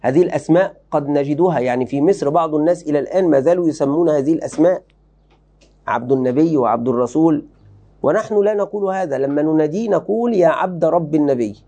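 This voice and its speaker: A man's voice: fairly high pitch, fast, warm tone. A man giving a religious lesson, explaining a book to students emphatically, repeating key phrases and checking they follow. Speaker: Islamic teacher.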